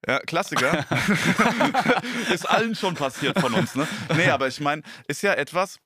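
A man's voice: fairly high pitch, animated, a little slow, sharp tone, slightly rough, no room sound, studio quality. A man, a comedian, talking in a casual podcast chat in crude slang and getting worked up as he rants. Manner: crude slangy rant, growing heated.

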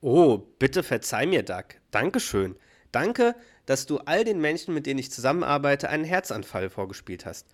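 An exasperated wife scolds her husband with sarcasm, read aloud by a man in his own mid-pitched voice. It is done without any real put-on voice, as a podcast read-through of a sitcom scene. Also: big pitch swings, normal speed, lightly acted. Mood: scolding.

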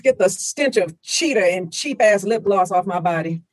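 A woman playing a fiery, husky betrayed wife. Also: mid-range voice, animated, normal speed, dry recording, lightly acted. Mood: indignant. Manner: loud, profane and indignant. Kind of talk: comedy script table read.

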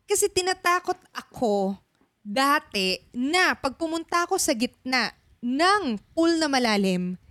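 Animated young Filipino woman storyteller. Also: high-pitched, unhurried, dry recording. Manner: animated storytelling, mixing English into speech. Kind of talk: casual chat.

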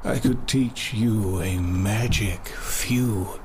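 Man playing a slow-spoken, cryptic caged mystic. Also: lowish voice, noisy background. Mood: coaxing. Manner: formal, ornate, deliberate phrasing with whispery moments. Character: caged male mystic prisoner, cryptic, courtly, quietly persuasive. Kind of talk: improvised horror fantasy podcast roleplay.

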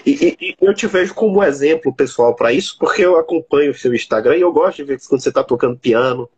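Fast-talking husky Brazilian man. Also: a little high, darkish tone, highs cut off. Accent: Brazilian Portuguese. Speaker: live-stream co-host. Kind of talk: casual live chat.

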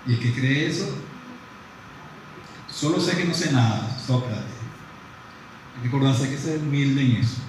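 A male psychologist giving a lively, conversational lecture to dentists, often asking the audience questions. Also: medium pitch, normal speed, long pauses. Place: large room with audience. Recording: very echoey hall from far off, faint noise.

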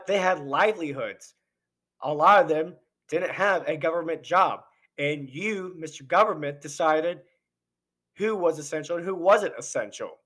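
A podcast host with a slightly high, fairly bright voice delivers an opinionated political monologue. It's impassioned and full of rhetorical questions, and he's losing his voice throughout.

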